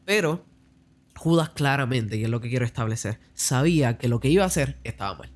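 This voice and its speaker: A man's voice: mid-range voice, expressive, a little fast. A man in a conversational Christian discussion, explaining his view at length with frequent fillers and tag questions. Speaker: Christian debater.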